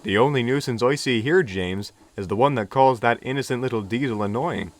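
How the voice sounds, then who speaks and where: A man giving voice to a steady, sensible engine close to his own voice, dry and level. Music plays behind him in the storybook. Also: mid-range voice, a little fast, natural voice. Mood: calm.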